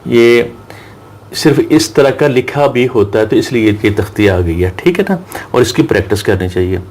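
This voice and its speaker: A male Quran reading teacher who drills letter sounds in slow, repeated chants and explains pronunciation. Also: medium pitch, animated, darkish tone. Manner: recites Arabic verses slowly in a melodic chant. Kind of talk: slow drilled recitation lesson.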